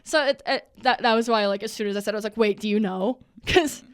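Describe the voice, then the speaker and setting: A young woman co-hosts a podcast in casual chat, rambling with plenty of fillers and restarts. Her voice is on the high side, clear and resonant, and she talks fast.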